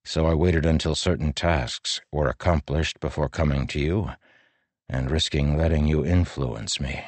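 A man voicing a stern, burdened middle-aged warlord who speaks in a firm, measured, grave way. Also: very deep voice, fairly even intonation, a little mellow, dry recording. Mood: earnest. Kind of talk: audiobook character voice.

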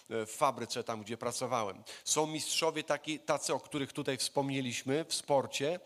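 A man's voice: mid-range voice, fairly bright tone. A man preaching a conversational sermon who keeps asking the congregation questions and briefly acts out voices. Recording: long hall reverb.

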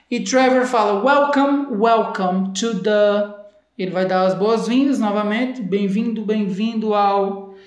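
A woman with a Brazilian Portuguese accent teaching English from a video clip, repeating English phrases slowly and carefully. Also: mid-range voice, echoey room. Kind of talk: language lesson explaining a video clip.

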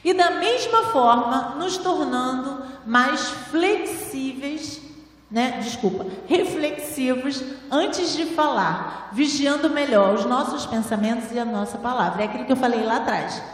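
A woman's voice: high-pitched, animated, unhurried. A woman giving a spiritual lecture to a seated audience on a handheld microphone, teaching in a didactic way with rhetorical questions. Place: large hall with audience. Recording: echoey hall, voice from far off.

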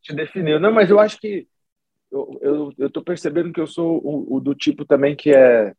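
A man's voice: a little high, moderate pace, creaky, husky, dry recording. A man, a musician guest, talking casually in an interview, loose and rambling with lots of slang. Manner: relaxed, rambling, full of slang and restarts.

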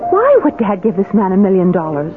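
An actress playing a suspicious, blunt young daughter in a 1970s radio drama. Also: female voice, medium pitch, huge pitch swings, fairly quick. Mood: suspicious, insistent. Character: suspicious, blunt, headstrong young woman, rich man's daughter. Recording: muffled old radio recording, music behind. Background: music.

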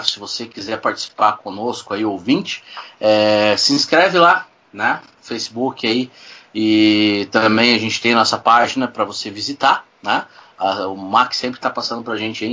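A man's voice: on the low side, a bit bright, slightly rough, muffled recording. A Brazilian man as a podcast guest, chatting casually and hesitantly, with many tag questions. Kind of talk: casual chat.

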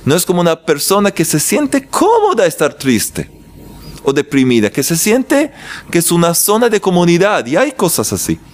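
A man teaching a religious lesson, mixing jokes into an animated talk and lifting his voice when acting out prayers. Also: normal speed. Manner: animated, swoops in pitch when quoting prayers. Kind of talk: lively faith lesson with jokes.

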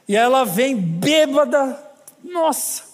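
Brazilian male pastor, very high voice, funny storyteller, preaching in a reverberant church hall. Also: normal speed. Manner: humorous storytelling, chatty asides to the congregation. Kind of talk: sermon.

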